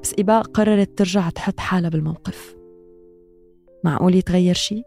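A woman's voice: fairly low pitch, fast, vocal fry, mellow, faint music behind. A woman with a Levantine Arabic accent, hosting a podcast and narrating in a reflective, introspective way. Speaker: podcast host. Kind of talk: scripted narration.

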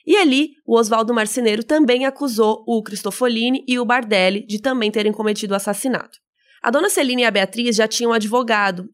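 A woman co-hosting a podcast, explaining case details in a chatty way with explanatory asides. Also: a little high. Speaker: podcast co-host. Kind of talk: casual true-crime retelling.

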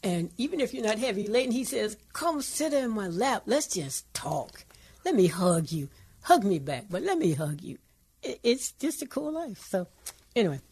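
An older woman co-hosting a Christian radio show, telling everyday stories in a lively way with a voice that carries. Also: on the high side, slightly rough. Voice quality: carrying voice. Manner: lively storytelling, bursts into song. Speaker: radio co-host, pastor's wife. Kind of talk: casual chat on Christian radio.

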